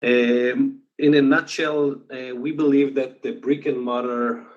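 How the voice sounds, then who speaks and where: A man with an Israeli accent giving a conference presentation remotely, speaking haltingly with many filler sounds. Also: medium pitch, level tone. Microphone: video call. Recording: dull lo-fi video call audio.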